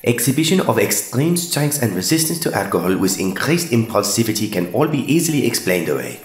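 A man's voice: on the low side, very animated, fairly quick. Man playing an eager, scheming lab doctor, echoing. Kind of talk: audio drama acting. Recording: echoing room with music behind. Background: music.

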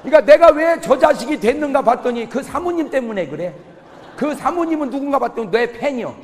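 High-voiced preacher in a reverberant hall. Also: male voice, a little fast, slight background noise. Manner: animated storytelling, acting out quoted voices; shouting punchlines to the congregation. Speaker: pastor. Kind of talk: humorous revival sermon. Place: church hall with congregation.

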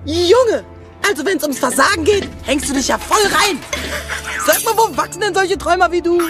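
Sneering cartoon robot, extremely high voice, drawn-out taunts, loud music behind. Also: female voice, expressive. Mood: mocking. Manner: taunting, drawling mockery. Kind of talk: film dub acting in children's audio play.

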